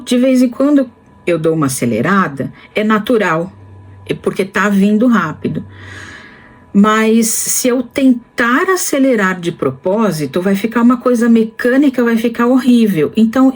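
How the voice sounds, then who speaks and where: Woman in her fifties, from Brazil, casual vlogger, slow and deliberate, pauses often. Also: fairly high pitch, lively intonation, darkish tone. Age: 50s. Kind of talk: casual reflective talk to camera.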